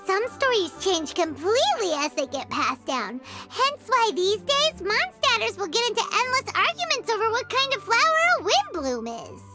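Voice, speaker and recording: A woman's voice: moderate pace, hardly any pauses. A woman voicing a tiny, chirpy, blunt girl companion in a video game. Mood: wry. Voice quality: very high, squeaky. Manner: lively, quips and exclamations. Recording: game audio with music.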